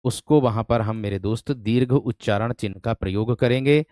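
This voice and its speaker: A man teaching grammar in an exam-prep class, repeating each phrase slowly for dictation and calling his students "my friend". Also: medium pitch, warm tone, no echo, clean studio sound. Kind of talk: online exam-prep lesson.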